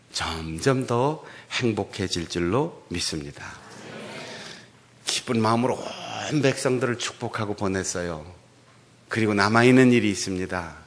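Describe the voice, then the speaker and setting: A male pastor giving a humorous, animated sermon in a church, playing with regional dialects. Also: mid-range voice. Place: church sanctuary.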